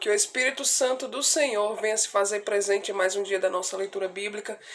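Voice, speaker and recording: A woman speaks over noticeable background noise. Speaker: online Bible reader. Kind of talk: Bible reading with devotional talk.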